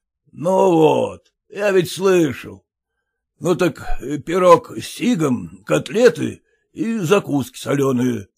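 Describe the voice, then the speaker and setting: A man voicing a stern, bossy older man who lectures and scolds his son-in-law in a slow, drawn-out way. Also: a little high, sing-song, gravelly, a little mellow, husky, exaggerated voice. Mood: lecturing.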